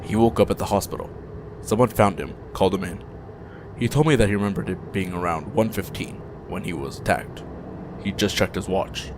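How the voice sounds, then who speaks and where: An actor playing a grave, loyal aide in an audio drama, speaking formally and deferentially. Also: male voice, deep voice, a little fast, lightly acted. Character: grave, formal, loyal male aide reporting to his boss. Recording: clear background ambient noise.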